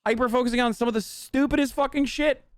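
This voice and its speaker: A man's voice: very high-pitched, fairly even intonation, quick pace, smooth, no echo, clean studio sound. A male streamer giving heated, profane live reaction commentary. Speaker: streamer host.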